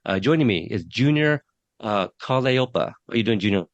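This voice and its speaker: A man's voice: on the low side, lively intonation, normal speed, no room sound. Casual male podcast host in his thirties, meandering and full of "um"s, dry lo-fi sound. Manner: rambling, many fillers and restarts. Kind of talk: casual interview chat.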